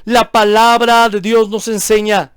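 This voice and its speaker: A man's voice: sits high, little pitch movement, unhurried, clear, resonant tone, dry recording, studio quality. A man preaching a sermon as a pastor, emphatic and full of rhetorical questions.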